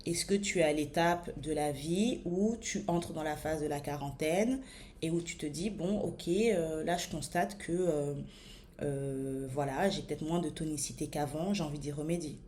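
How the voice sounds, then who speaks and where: Low-voiced French woman coaching slowly. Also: warm tone, slight background noise. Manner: slow, deliberate, coaching tone; many hesitations and fillers. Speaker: body-image coach. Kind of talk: motivational talk to camera.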